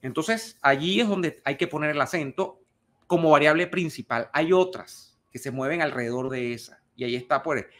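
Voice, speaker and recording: A man's voice: on the high side, moderate pace, a bit bright. A middle-aged man with a Venezuelan Spanish accent, speaking as a commentator who talks things through thoughtfully and carefully, often restarting words. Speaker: political commentator answering a viewer question. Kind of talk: casual spoken commentary.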